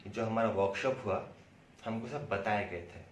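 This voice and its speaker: A man's voice: fairly low pitch, unhurried. A man with an Indian accent giving an instructional lecture, explaining things by asking questions and answering them himself. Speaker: acting instructor. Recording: roomy echo, distant mic, faint noise.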